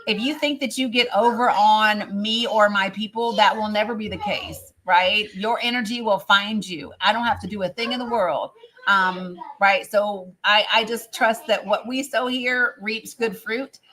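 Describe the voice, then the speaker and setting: A woman's voice: mid-range voice, unhurried, pushed and bright, rough recording. A woman in her fifties hosting a live-stream panel, talking earnestly and firmly with many ums and restarts. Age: 50s. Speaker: livestream host.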